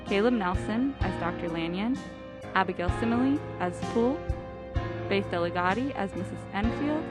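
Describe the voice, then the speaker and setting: A young woman working as the announcer, reading scripted closing credits for a radio drama. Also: mid-range voice. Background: loud music.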